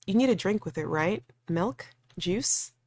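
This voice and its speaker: Lady doing a gentle robot guy caretaker from a visual novel, fussing and persistent, asks soft questions. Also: medium pitch, lively intonation, unhurried. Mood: caring, fussing.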